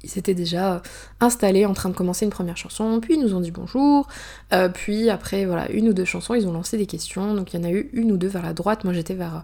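A young French woman who is an author chats through a personal story in a casual monologue, full of hesitations, fillers and quick asides. Her voice is mid-range and mellow.

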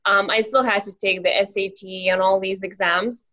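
A woman's voice: mid-range voice, steady tone, moderate pace, bright, forceful tone, muffled recording. A young adult woman from Lithuania, whose first language is Lithuanian, answering questions thoughtfully as an interview guest.

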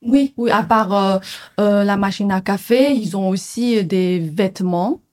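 A woman's voice: mid-range voice, a little slow, a little mellow. A woman explaining a product release in a hesitant way, with many fillers. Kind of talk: hesitant informative answers.

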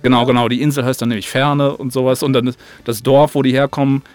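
A male interview guest talks casually and explains his creative work. His pitch is average and the recording is very dry. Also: little pitch movement, quick pace, darkish tone, no room sound. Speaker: interview guest, audio drama writer.

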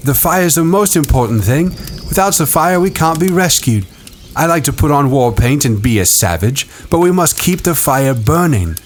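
A man's voice: fairly high pitch, lively intonation, normal speed, slight background noise, voice pushed up, close to an everyday voice. A man voicing an earnest young boy who leads the group, groping for words as he speaks.

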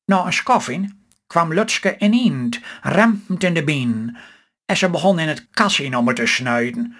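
A man's voice: fairly high pitch, lively intonation, unhurried, fairly bright tone. Older man with a Stellingwerfs accent, storytelling. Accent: Stellingwerfs Low Saxon. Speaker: author reading his own story. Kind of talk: storytelling read-aloud.

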